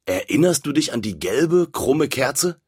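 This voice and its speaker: A man voicing a big, wise white candle in a storybook, speaking earnestly and raising his pitch. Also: very animated, a little slow, a little mellow, breathy edge, no room sound, studio quality. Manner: earnest, admonishing.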